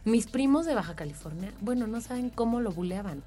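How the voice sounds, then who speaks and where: A woman's voice: on the high side, animated, fairly quick, warm tone, faint music behind. A woman with a Mexico City accent co-hosting a casual talk, jumping eagerly into anecdotes. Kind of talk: casual chat.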